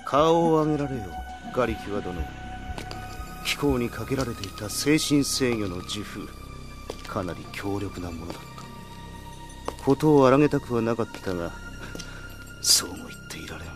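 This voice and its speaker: A man's voice: mid-range voice, wildly swooping pitch, normal speed, pauses often. A man playing a ruthless, scheming villain in a radio drama, speaking in a grand, formal, old-fashioned way. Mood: stern, formal, then commanding. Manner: grand, formal, menacing incantations. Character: ruthless scheming male villain, commanding and archaic-spoken. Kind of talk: Japanese radio drama acting. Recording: loud music under the voice.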